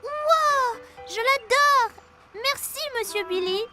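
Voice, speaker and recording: Very high-pitched, eager little boy. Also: lively intonation, slow pace, over loud music, full character voice. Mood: happy. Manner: eager, childlike exclamations. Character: excitable four-year-old boy, eager and sweet. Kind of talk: children's cartoon dub.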